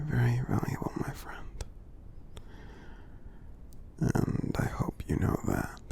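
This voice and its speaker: A man voicing a kindly, encouraging giant for ASMR affirmations, in a soothing, breathy, gravelly whisper. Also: medium pitch, heavily acted. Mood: tender, reassuring. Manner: slow, soothing, gently earnest. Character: kindly giant friend, gentle, reassuring, encouraging.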